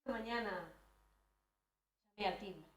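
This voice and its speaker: A woman's voice: medium pitch, measured pace, far from the mic. A woman performing a first-person dramatic monologue, hesitant, with frequent restarts. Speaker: storyteller. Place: live event hall. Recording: roomy hall, voice from afar.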